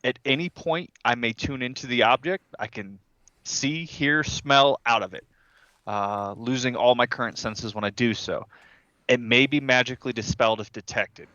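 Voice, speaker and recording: A man's voice: mid-range voice, normal speed, bright, forceful tone, no room sound, highs cut off. A man chatting casually as a player in a tabletop game.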